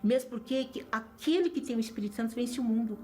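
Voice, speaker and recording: A woman's voice: on the high side, fast talker, darkish tone, faint music behind. Earnest Brazilian woman giving testimony. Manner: earnest, emotional, repeats phrases for emphasis. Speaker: church member giving testimony. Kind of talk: personal religious testimony.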